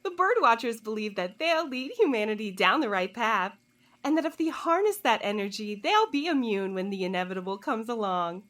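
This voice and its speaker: Audio drama role: sly, condescending woman played by an actress, high-voiced and very animated, toying with her questioners. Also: normal speed. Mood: cool, philosophical. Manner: teasing, condescending, theatrical drawl. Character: sly, smug woman informant, coolly taunting her interrogators.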